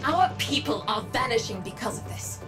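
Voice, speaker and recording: An actress playing a tough, determined underground resistance leader in a video game, blunt, sardonic and commanding. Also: female voice, on the high side, animated, moderate pace, music in the background, lightly acted. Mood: defiant, urgent. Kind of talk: dramatic video game acting.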